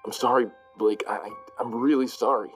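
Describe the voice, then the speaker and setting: A man's voice: mid-range voice, fairly even intonation, fairly quick, faint music behind, lightly acted. A man playing an anxious, apologetic peacemaker in a noir audio drama, earnest, hesitant and placating. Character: anxious, apologetic peacemaker, detective's male friend.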